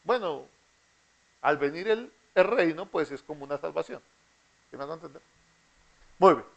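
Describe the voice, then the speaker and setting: A man's voice: a little high, lively intonation, creaky, lo-fi sound. A man teaching an interactive Bible class, who keeps asking his students questions and has them repeat after him. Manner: slow, deliberate delivery.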